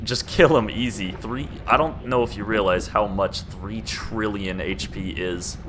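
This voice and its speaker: A young man streaming a video game, chatting casually in a flat, laid-back monotone. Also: on the low side, a little slow, noisy background. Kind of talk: casual gameplay commentary.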